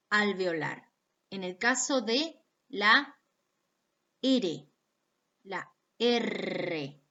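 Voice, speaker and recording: Slow, patient Argentine woman teaching. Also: medium pitch, a bit bright, highs cut off. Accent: Argentine Spanish. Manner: patient, demonstrates sounds aloud, addresses students directly. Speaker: phonetics teacher. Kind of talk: recorded video lecture.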